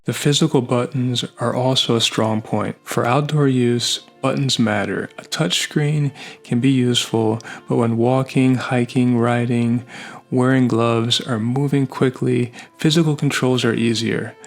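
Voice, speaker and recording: A man delivers scripted review narration at a medium pitch. His phrasing is short and measured. Music plays behind the voice. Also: fairly even intonation, gravelly. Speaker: product reviewer.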